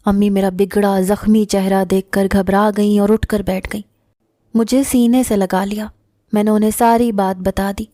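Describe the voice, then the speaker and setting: A woman reads a first-person story aloud in a steady, solemn way. Her voice is dark and mellow. The recording is close and dry, with no room sound. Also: medium pitch, no room sound. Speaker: story narrator. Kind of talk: scripted first-person narration.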